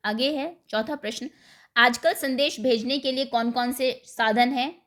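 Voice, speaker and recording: A woman teacher slowly explaining a worksheet to young pupils, dictating answers word by word. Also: a little high, fairly bright tone. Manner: slow, patient, dictates words one at a time. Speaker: school teacher.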